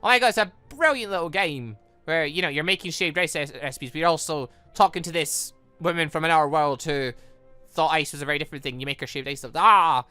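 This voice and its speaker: A man's voice: fairly high pitch, fast talker, bright, forceful tone, clean tone, no room sound, faint music behind. A British man giving casual, rambling let's-play commentary on a visual novel, stumbling over words and correcting himself as he goes. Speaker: gaming video host.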